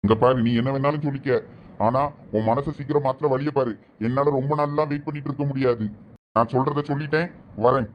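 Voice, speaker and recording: A man's voice: medium pitch, steady tone, fast, lo-fi sound, a little hiss or hum, close to an everyday voice. A man playing an obsessive, menacing kidnapper villain who gloats and threatens in a village drama. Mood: threatening.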